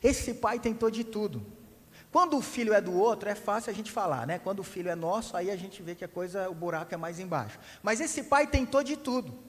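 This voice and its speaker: A man preaching a sermon as a pastor, animated storyteller who acts out the people in his stories. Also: high voice, brisk. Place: church hall. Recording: long hall reverb.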